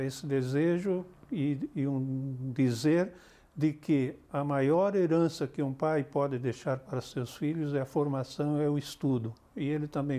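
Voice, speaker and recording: An older man with a southern Brazilian accent talks as an interview guest. His voice is mellow and slightly high for a man. He explains and recollects in a measured, conversational manner. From Santa Catarina, southern Brazil. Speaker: interview guest, retired army colonel.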